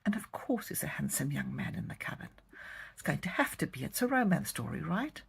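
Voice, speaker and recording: Low, husky woman with a South African accent. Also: very animated, a little fast. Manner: chatty, warm storytelling of a plot summary. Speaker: romance author. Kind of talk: pitching her new book to camera.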